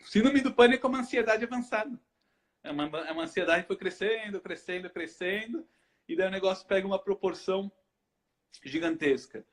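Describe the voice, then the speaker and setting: Animated high-voiced Brazilian man explaining. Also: brisk. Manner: animated, rhetorical questions he answers himself. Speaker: hypnotherapist host. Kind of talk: casual live chat, explaining.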